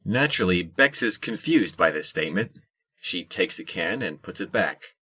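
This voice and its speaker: A man's voice: low voice, lively intonation, moderate pace, bright, forceful tone, slightly rough. A man reading scripted narration for an audio drama.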